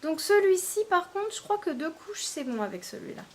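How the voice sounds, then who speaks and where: A high-pitched woman talks through a casual beauty review. She speaks in a chatty, hesitant way, full of fillers and small restarts, with faint room ambience behind her. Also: very animated, moderate pace, slight background noise. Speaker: beauty vlogger.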